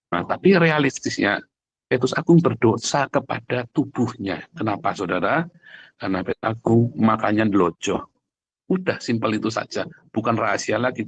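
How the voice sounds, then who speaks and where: A man's voice: lowish voice, husky, no room sound. A man preaching in a conversational, blunt and emphatic way, addressing listeners directly and asking rhetorical questions. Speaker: preacher, pastor. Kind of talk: conversational livestream sermon.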